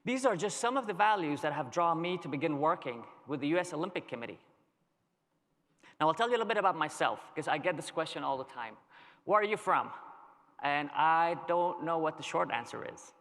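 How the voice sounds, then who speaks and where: A man from Lebanon giving a conference keynote, telling a story in a measured way with dramatic pauses. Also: on the high side, animated, fairly bright tone. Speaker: keynote speaker. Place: large conference hall. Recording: long reverb of a large hall.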